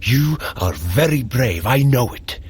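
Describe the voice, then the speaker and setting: An actor playing a brave, protective Norse thunder god in an audio drama, speaking in a solemn, formal, declamatory way. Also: male voice, mid-range voice, animated, measured pace, husky. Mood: urgent, earnest. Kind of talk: scripted audio drama acting.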